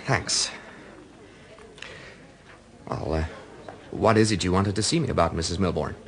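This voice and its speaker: Low-voiced, hesitant male celebrity aide. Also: a little slow, a bit bright. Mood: polite, puzzled. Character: personal assistant to a celebrity woman, smooth, puzzled, protective man. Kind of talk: radio drama acting.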